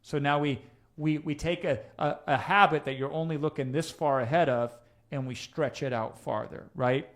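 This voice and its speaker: A man coaching a live audience in a conversational teaching talk, often checking in with "right?" and drifting into asides. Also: medium pitch. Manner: conversational, checks in with "right?", digresses mid-thought. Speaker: coach presenting a live session.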